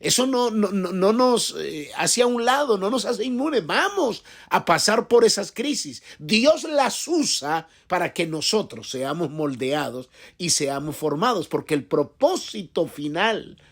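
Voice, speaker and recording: A male pastor gives an earnest devotional sermon in a somewhat high voice. He repeats himself and restarts his sentences often as he works through his points. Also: big pitch swings, unhurried, few pauses. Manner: earnest, repetitive, with frequent restarts.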